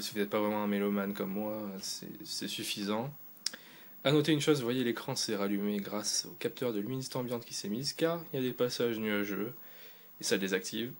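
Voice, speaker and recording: Casting: man, casual gadget reviewer, gravelly edge, rambling delivery. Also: on the low side. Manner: loose and rambling, with fillers and restarts. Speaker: tech reviewer.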